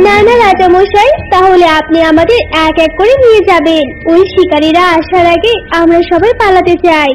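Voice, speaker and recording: A woman voicing a frightened, urgently pleading jungle animal in an animated fable. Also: very high voice, normal speed, hardly any pauses, over music, voice pushed up, poor audio. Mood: fearful, pleading. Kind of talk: animated fable character acting.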